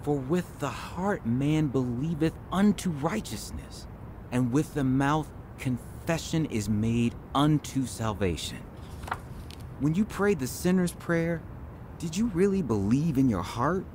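An actor playing a compassionate, patient Christian friend, exhorting earnestly in a radio drama. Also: male voice, fairly high pitch, animated, slow pace, a little mellow, a little hiss or hum. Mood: earnest, consoling. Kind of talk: radio drama acting, reciting scripture.

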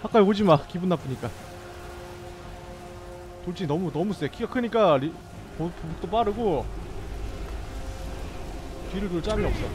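A young man streaming a game, commenting live and swearing, with sudden yelled bursts. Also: high voice, animated, moderate pace, long pauses, noisy background. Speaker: gameplay streamer.

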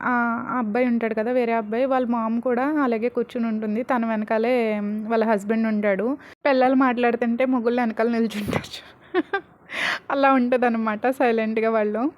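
Chatty high-voiced woman storyteller. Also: steady tone, a little fast. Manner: chatty, conversational asides. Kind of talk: casual story narration.

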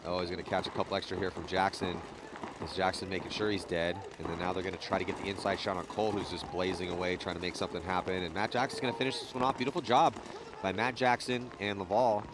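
A man giving live play-by-play sports commentary, lively on big plays. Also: low voice, fast, background noise. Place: outdoor paintball field.

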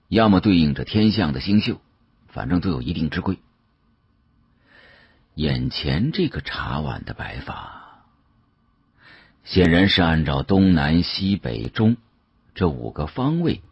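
A man narrating an audiobook in the first person, dramatic, expressive and musing. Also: deep voice, breathy edge, dry recording, dull audio.

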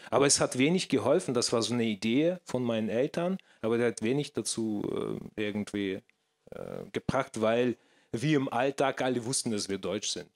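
A man's voice: mid-range voice, moderate pace. A man in his thirties with a Russian accent, a guest on a stage panel, talking hesitantly with many restarts into a handheld mic. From former Soviet Union. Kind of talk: panel discussion. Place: stage in a small theater, indoors. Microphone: handheld microphone.

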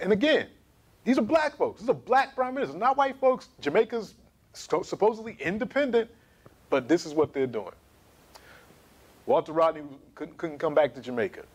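A man in his thirties giving an emphatic, animated history lecture to camera in a small studio. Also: sits high, normal speed, slightly rough. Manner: animated, emphatic, gesturing while pacing.

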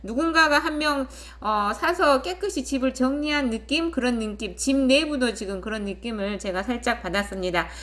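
Woman with a highish voice explaining casually. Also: moderate pace, few pauses, fairly bright tone. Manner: conversational, often seeks agreement from viewers. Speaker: host of a rural real-estate channel. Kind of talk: casual explanatory narration of property listing and photos.

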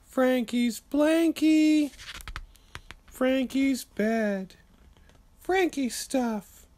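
A woman voicing a friendly, childlike dog sock puppet telling a children's story in a goofy, simple, drawn-out way. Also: high-pitched, darkish tone. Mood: sorry, then eager.

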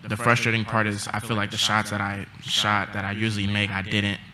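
A young man and college basketball player answering postgame press questions in a subdued, halting way, with many pauses and ums, into a table mic. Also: on the low side, completely flat delivery, crowd noise. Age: young adult. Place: press conference room.

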